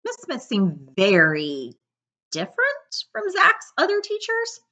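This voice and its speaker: A middle-aged woman reading a children's picture book aloud with expressive, dramatic storytelling and chatty asides. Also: very high voice, slow. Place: living room couch, indoors.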